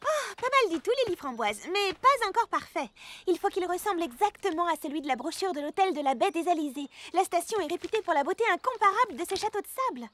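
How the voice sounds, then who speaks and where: Very high, fussy cartoon girl. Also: very animated, fast, a bit bright, a little hiss or hum, exaggerated voice. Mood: demanding. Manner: fussy, dramatic, demanding. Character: bossy, perfectionist cartoon girl planning a resort. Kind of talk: children's cartoon dub acting. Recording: music behind the voice.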